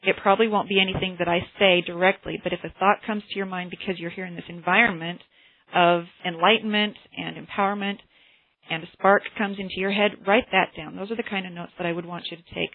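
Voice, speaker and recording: Her voice lowish and her intonation fairly even, a woman talks a little fast as she leads a motivational class by conference call, earnestly telling personal stories. She is the class's host and teacher, and the tinny phone audio carries no room sound.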